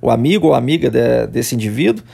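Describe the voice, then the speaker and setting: A man teaching English in a podcast lesson, patiently explaining and slowly repeating example phrases for learners to copy. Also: medium pitch, big pitch swings, gravelly, dark tone, husky. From Brazil.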